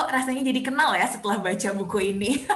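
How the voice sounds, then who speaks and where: A woman talking very fast with lively intonation, amid noticeable background noise and audible room echo. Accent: slight Jakarta. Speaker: book publisher presenter. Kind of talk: book presentation in live chat.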